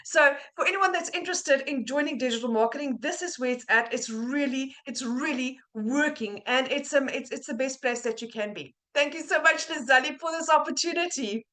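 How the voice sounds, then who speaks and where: Bright high-voiced South African woman. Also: fairly quick, few pauses. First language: Afrikaans. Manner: earnest, with many fillers and restarts. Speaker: webinar guest. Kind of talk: testimonial on a video call.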